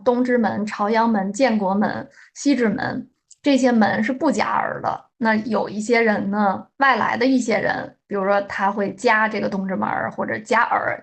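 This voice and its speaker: A young woman with a Beijing accent, a guest explaining local speech in a measured, thoughtful way. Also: a little high. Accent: Beijing Mandarin. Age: young adult. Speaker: guest co-host. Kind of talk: casual explanatory chat.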